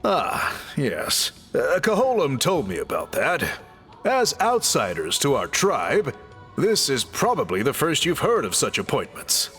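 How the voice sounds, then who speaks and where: An actor playing a very tall, polite and slightly awkward tribal chief in an anime game, formal, hesitant and reassuring. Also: male voice, mid-range voice, wildly swooping pitch, measured pace, a bit bright, exaggerated voice. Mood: explanatory. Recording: long hall reverb, faint music.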